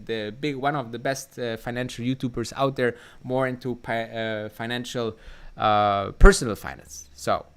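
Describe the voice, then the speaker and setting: A man's voice: medium pitch, steady tone, moderate pace, a bit bright, clean tone. A man from Germany with a German accent, hosting a casual live stream and reading out chat comments, rambling with many fillers and restarts. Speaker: livestream host answering chat.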